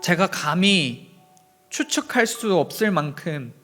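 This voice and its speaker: A young man preaches a Sunday sermon in a church with a fairly high voice. He tells stories earnestly and tenderly, speaking straight to his congregation. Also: animated, slow, bright, forceful tone, soft background music. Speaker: pastor. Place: church sanctuary.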